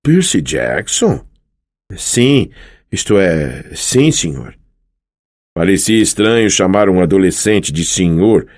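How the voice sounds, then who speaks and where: A man narrating an audiobook in first person, with expressive storytelling. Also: deep voice.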